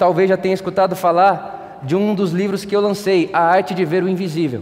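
A man's high, monotone voice with flat intonation, fairly quick and with hardly any pauses, at a very even loudness over noticeable background noise. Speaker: pastor. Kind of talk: sermon. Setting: church.

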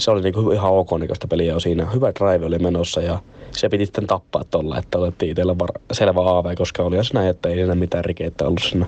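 A man talks at a very fast pace in a very deep, low pitch. His intonation is fairly even, with noticeable background noise behind him. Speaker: fan sending voice message. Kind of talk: voice message.

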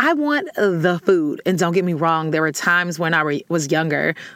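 A woman with an American accent, fairly low pitch and very wide pitch swings, at a fairly quick pace. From US South, Georgia. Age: 30s. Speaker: podcast host. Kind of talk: casual solo chat.

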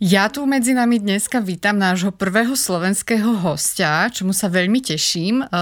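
On a very clean recording with a silent background, a woman talks at a moderate pace with hardly any pauses. She has an ordinary speaking voice, ordinary pitch variation and very even loudness. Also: medium pitch for a woman. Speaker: podcast co-host. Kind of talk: interview.

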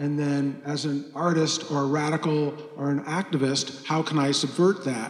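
Over noticeable background noise, a man with a fairly high voice talks at a fairly slow pace, his intonation fairly even. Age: 50s. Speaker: artist working with robotics. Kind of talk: onstage conversation. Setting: stage with live audience.

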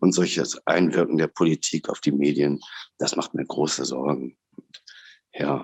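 His intonation stays fairly even. The man has a very deep, low pitch with vocal fry. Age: 40s. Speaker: unemployed father interviewed about pandemic. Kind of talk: casual interview. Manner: halting, many filler sounds.

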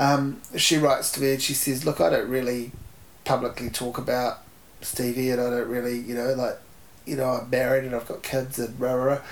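A man with a New Zealand accent talks at a fairly quick pace and medium pitch. His intonation is monotone and flat, with noticeable background noise. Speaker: podcast host and writer. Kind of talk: casual chat.

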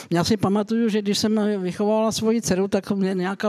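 Fairly even in intonation, a woman's speech goes by at a very fast pace. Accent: Slovak. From Slovakia, Liptovský Mikuláš. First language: Slovak (speaking Czech). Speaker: community activist. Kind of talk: panel discussion. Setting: gallery event with audience.

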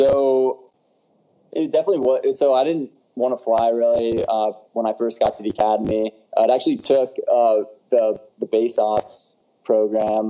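A man with an American accent speaks at a moderate pace and medium pitch, his tone dark and mellow. His intonation is fairly even, with long, frequent pauses. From US Midwest, Ohio (Columbus). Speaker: military pilot. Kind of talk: interview.

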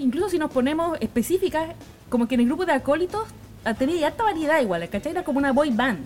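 Over background music, a woman in a Chilean accent speaks at a very fast pace with an animated tone and lively intonation. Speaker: podcast host. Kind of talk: casual storytelling monologue. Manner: animated, frequent laughter.

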